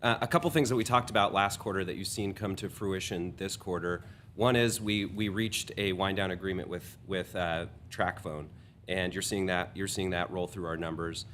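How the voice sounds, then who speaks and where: Low male executive voice, faint rumble behind. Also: steady tone, moderate pace, a bit bright. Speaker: company executive. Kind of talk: earnings call update, explanatory.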